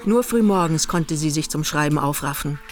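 An actress as the narrator of a literary radio play, telling the story in a measured, dry manner. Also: female voice, deep voice, expressive. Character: composed female storyteller of a literary honeymoon tale. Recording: studio radio play under loud music.

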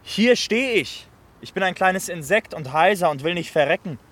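An actor playing a weary, stubborn soldier home from war, bitter and at times fiercely defiant, in stage-style radio drama. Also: male voice, high-pitched, animated, normal speed, fairly bright tone. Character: worn-out male war returnee, stubborn and bitter. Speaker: soldier come home, refusing to fight.

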